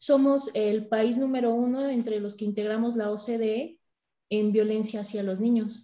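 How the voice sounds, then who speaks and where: Fairly high in pitch yet dark and mellow in tone, a woman speaks fairly slowly with fairly even intonation. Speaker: psychology student. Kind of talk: class discussion. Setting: video call.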